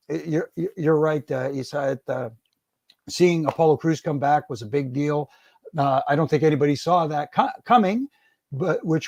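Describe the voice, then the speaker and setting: A middle-aged man with a slightly high, gravelly voice gives casual wrestling commentary. He hesitates often, repeating words and filling gaps with uhs. The recording is dry. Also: a little mellow, no echo. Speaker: podcast co-host, former wrestling referee.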